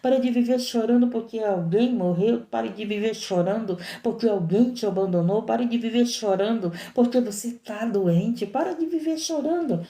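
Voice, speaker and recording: A woman preaching with fervor, hammering the same phrases again and again. Her voice is deeply dark and mellow. The room around her rings with echo. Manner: impassioned, repetitive, emphatic preaching. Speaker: missionary preacher. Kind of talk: sermon.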